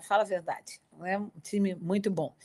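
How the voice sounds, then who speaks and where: Her voice is a dark, mellow tone at a medium pitch for a woman. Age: 60s. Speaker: journalist and educator. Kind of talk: online TV show closing remarks. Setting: online live broadcast.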